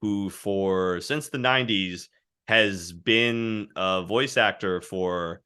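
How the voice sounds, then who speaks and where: Voice actor guy rambling through stories, fairly low voice, bright and forceful. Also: slow pace, clean tone. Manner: animated, anecdotal storytelling. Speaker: voice actor guest. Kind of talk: casual interview chat.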